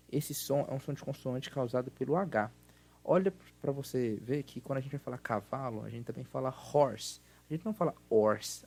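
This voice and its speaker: A Brazilian man with a Portuguese accent who teaches an English grammar lesson. He explains patiently and repeats words slowly to model their pronunciation. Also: medium pitch, creaky, a little mellow.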